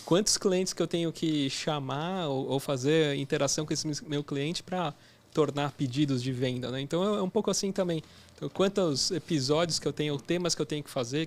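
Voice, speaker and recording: A man with a Brazilian Portuguese accent explaining how he plans his podcast, speaking in an earnest, explanatory way. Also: fairly high pitch. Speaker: podcaster, student. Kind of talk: casual chat. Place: bar.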